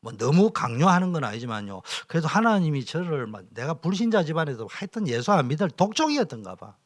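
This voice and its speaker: A middle-aged male pastor, preaching a training lecture, swinging from loud exhortation to whispers. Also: on the high side, big pitch swings, fast talker. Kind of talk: sermon-style training lecture.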